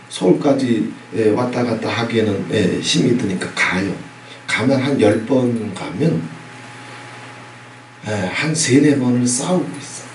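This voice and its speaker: A man's voice: mid-range voice, gravelly. Middle-aged male pastor, emphatic sermon with audience prompts, echoey church recorded from a distance. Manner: emphatic preaching with repeated "예?" prompts and sudden loud bursts. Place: church sanctuary. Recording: echoey hall, from a distance, faint noise.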